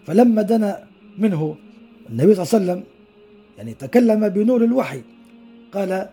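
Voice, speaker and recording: Male sheikh, podcast sermon; quick delivery, slightly raised pitch, storytelling with asides. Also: lively intonation, dark tone, husky, soft background music. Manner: narrates hadith stories with explanatory asides, acts out quoted dialogue. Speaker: sheikh giving a religious lesson. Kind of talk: podcast religious lesson, storytelling.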